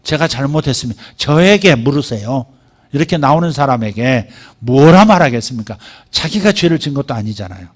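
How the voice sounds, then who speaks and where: A middle-aged man preaching a sermon as pastor, animated, acting out quoted speech in a rising voice. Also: medium pitch.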